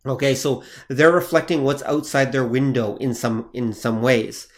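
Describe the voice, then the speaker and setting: A man's voice: medium pitch, steady tone, moderate pace. Man explaining things on a podcast. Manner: steers the talk, explains with asides. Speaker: podcast co-host. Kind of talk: casual explanatory chat.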